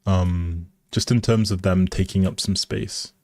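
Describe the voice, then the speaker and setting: Deep-voiced man casually streaming a game. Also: steady tone, a little slow, vocal fry, a little mellow, no room sound. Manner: easygoing, thinking aloud. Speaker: game livestream host. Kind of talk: casual livestream commentary while playing a life simulation game.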